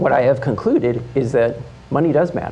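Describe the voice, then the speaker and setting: A man with an American accent speaks with lively intonation against noticeable background noise. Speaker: state legislator. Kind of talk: political discussion. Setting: stage with audience.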